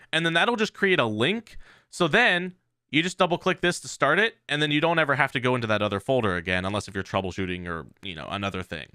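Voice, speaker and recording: A man's voice: a little high, bright, forceful tone, clean tone, dry recording. A man presenting a tech tutorial in a casual, conversational way, explaining step by step into a close mic. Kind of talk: casual software walkthrough.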